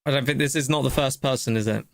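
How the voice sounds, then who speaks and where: A male streamer reacting live, excited and rambling with many restarts. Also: medium pitch, fast talker, over music.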